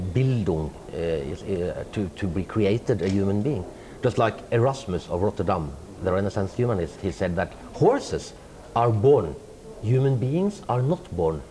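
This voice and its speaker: A man's voice: low-pitched, a little hiss or hum. A middle-aged Norwegian man with a Norwegian accent, answering interview questions thoughtfully with many hesitations. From Norway. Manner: hesitant, many fillers and restarts, animated hand gestures. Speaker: interviewed writer. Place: indoor room with tapestry wall.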